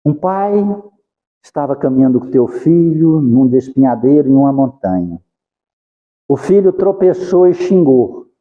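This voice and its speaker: A man's voice: medium pitch, expressive, measured pace. A man giving a religious lecture, preachy and asking the audience questions. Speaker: spiritist lecturer. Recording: dull lo-fi recording.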